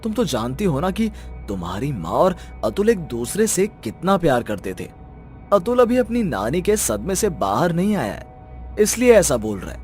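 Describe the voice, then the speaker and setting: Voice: medium pitch, sing-song, moderate pace, a little mellow, lightly acted. A performer voicing a stern, impatient father in a cartoon, speaking in a scolding, dismissive way. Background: background music.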